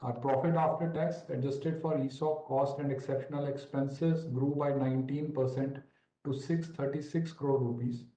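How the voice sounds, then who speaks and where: A man with an Indian accent formally presenting financial results on an earnings call in a measured, orderly way. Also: medium pitch, dark tone. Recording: roomy, dull conference call audio.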